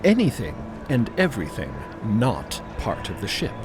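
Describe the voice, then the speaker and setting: A man's voice: fairly low pitch, wildly swooping pitch, normal speed, over music. A man narrating a scripted audio drama in a dramatic storytelling style.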